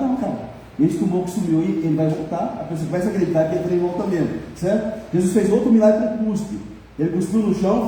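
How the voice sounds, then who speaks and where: Echoey preaching Brazilian man, high voice. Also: mellow, a little hiss or hum. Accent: Brazilian Portuguese. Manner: conversational preaching, frequent call-and-response "amém?". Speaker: pastor. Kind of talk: sermon. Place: church hall. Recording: far from the mic in a very echoey church hall.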